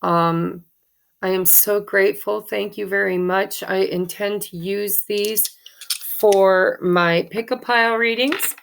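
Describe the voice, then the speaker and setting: A woman, hoarse from allergies, chatting in a rambling, thankful way as host of a tarot channel, with many ums. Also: mid-range voice, steady tone, slow pace. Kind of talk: casual chat to viewers.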